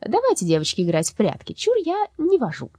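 A woman's voice: on the high side, huge pitch swings, fairly quick, warm tone, slightly rough, no echo, studio quality, voice pushed up, full character voice. A woman reading an audiobook voices a scheming old female black soul who speaks in a falsely sweet, sly way. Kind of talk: storybook character voice.

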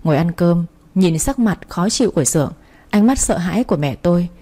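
Woman telling a sad family story in first person, soft dark warm voice. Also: lowish voice, lively intonation, a little fast. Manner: earnest, plain storytelling.

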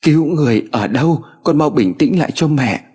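A man's voice: fairly high pitch, animated, fairly quick, darkish tone, husky, pitched above the performer's own voice. A man voicing an anxious middle-aged mother who soothes her frightened daughter. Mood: soothing. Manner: soothing, worried.

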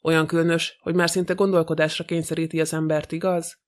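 A man's voice: a little high, level tone, natural voice. A man reading the lines of a fussy, proud older detective in an audiobook, precise and polite.

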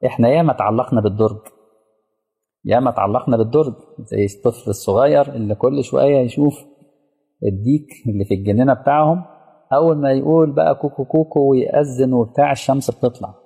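A man's voice: mid-range voice, fast talker, creaky, warm tone, slightly rough. A man with an Egyptian accent giving a casual religious lecture, telling stories and checking that the audience is following. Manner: engaging, asks the audience rhetorical questions. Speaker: preacher. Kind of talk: colloquial religious lecture with storytelling. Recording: reverberant hall sound.

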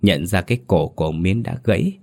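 A man narrating a scripted ghost story in a steady, even manner. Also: low-pitched, a little fast.

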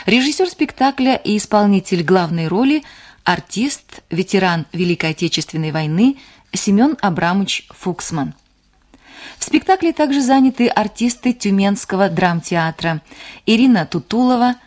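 Female announcer, formal scripted introduction, medium pitch. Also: animated, normal speed.

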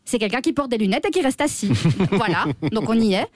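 A woman playing a chatty job-center clerk who talks to an unheard caller, slightly hoarse and full of fillers. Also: fairly high pitch, expressive, a little fast, dry recording, lightly acted. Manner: gossipy, talks to an unheard caller, constant "hein". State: a little hoarse. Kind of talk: comedy sketch on radio.

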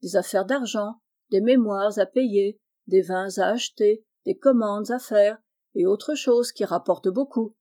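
A woman's voice: mid-range voice, a little slow, dark tone, natural voice. A woman voicing a boastful, scheming young man in a storybook reading, smug and offhand.

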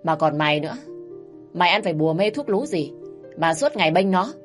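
A woman's voice: lively intonation, brisk, close to an everyday voice. A woman voicing a harsh, scolding older mother-in-law who nags shrilly, over faint music. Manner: shrill, nagging, raising her voice.

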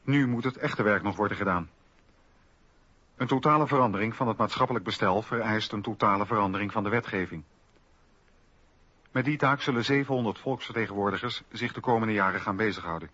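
A man's voice: fairly low pitch, brisk, bright, forceful tone, breathy edge, muffled recording. A man narrating a scripted historical radio documentary.

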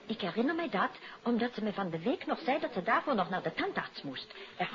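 A woman's voice: medium pitch, very animated, fairly quick, a bit bright. A woman acting an anxious, hesitant madame who searches for words in a 1950s radio mystery serial. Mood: hesitant, recalling. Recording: muffled old radio recording, background noise.

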